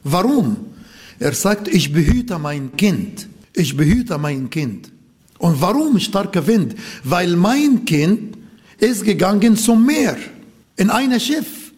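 High-voiced man preaching slowly. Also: sing-song, darkish tone. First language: Arabic. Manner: earnest, repeats key phrases, non-native grammar. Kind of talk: sermon.

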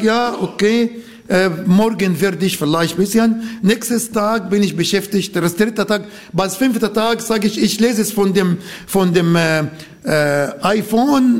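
High-voiced man preaching slowly. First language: Arabic. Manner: earnest, repeats key phrases, non-native grammar. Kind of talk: sermon.

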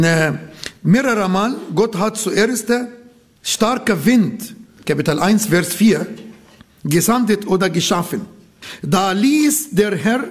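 Guy preaching, earnest, says things twice, kinda high voice. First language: Arabic. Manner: earnest, repeats key phrases, non-native grammar. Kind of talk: sermon.

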